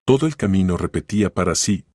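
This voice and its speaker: A man narrating a story in a steady, measured way. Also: sits low, no room sound, studio quality. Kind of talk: scripted narration.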